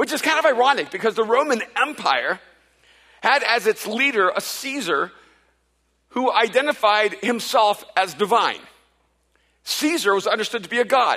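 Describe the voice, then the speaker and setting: A man speaks in a raised, projected voice at an extremely high pitch, bright and sharp in tone. His pace is moderate and his pitch variation ordinary, with long, frequent pauses. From El Salvador. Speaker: pastor. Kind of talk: sermon.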